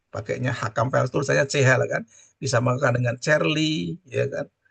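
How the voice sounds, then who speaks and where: Moderate-paced male speech in a dry, close sound with no echo. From Java, Indonesia. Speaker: university lecturer. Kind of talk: lecture. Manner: animated, repetitive questioning.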